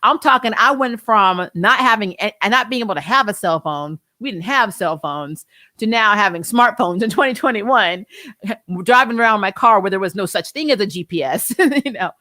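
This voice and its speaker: A woman's voice: mid-range voice, lively intonation, normal speed, bright, forceful tone, no echo, studio quality. A woman in her forties chatting casually as a host, answering viewer comments. She rambles, gets heated and laughs often. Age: 40s. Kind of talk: casual livestream chat.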